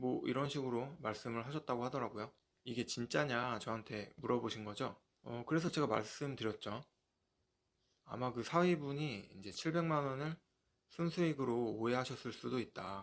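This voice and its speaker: A man with a normal speaking voice talks at medium pitch and a moderate pace, his pitch varying in an ordinary way. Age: 30s. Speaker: private taxi driver. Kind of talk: casual talk to camera.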